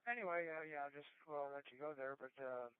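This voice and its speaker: A man on a ham radio contact, talking loosely with lots of fillers and a voice he says is going. His voice comes through smooth but squeezed into a thin, phone-like band, dry with no room sound. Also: a little high, fairly even intonation, fast talker, no room sound. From California. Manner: rambling, many fillers. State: losing his voice. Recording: tinny radio transmission.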